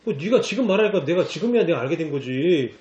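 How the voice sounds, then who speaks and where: A man's voice: a little high, lively intonation, fast, a little mellow, roomy sound, lo-fi sound, lightly acted. A man voicing a sly king who coaxes and makes casual excuses. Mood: flustered. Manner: coaxing, casual, making excuses. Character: sly foreign king, wheedling then flustered.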